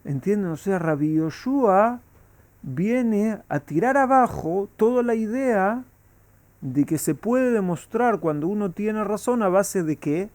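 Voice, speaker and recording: A rabbi leads a Talmud class, and his voice sits fairly high for a man. He keeps asking his listeners questions as he explains the text. The sound is close and dry. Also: animated, takes it slowly, a little mellow, no echo. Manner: asks the class rhetorical questions.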